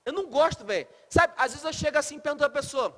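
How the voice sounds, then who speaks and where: A man's voice: very high-pitched, expressive, fast, fairly bright tone, in a large hall. A man teaching law in a classroom, blunt and profane, joking and quizzing the students as he goes. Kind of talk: lively classroom lecture.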